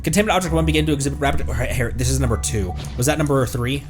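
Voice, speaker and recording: A male game streamer with a mid-pitched voice reads text aloud over music. He mixes the reading with casual commentary, often stumbling and going back over a phrase. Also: rapid-fire. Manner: stumbles over words, repeats and self-corrects. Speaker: livestream host, VTuber.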